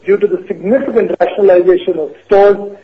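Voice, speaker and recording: A man making formal, deliberate remarks with some hesitations as a senior executive on an earnings call. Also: sits high. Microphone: conference call line. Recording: dull lo-fi conference call audio.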